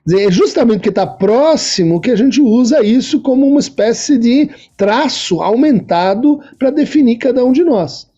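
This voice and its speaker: Lively Brazilian man on a dull line. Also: extremely high pitch, moderate pace, few pauses. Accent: Brazilian Portuguese. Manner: explanatory, lively intonation. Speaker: psychoanalyst guest. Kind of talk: podcast interview.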